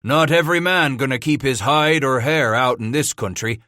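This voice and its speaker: A man's voice: mid-range voice, moderate pace, pushed and bright, no room sound, studio quality, natural voice. A man voicing a weathered, white-haired trapper who speaks bluntly in a backwoods drawl. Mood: gruff. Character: gruff weathered older male trapper.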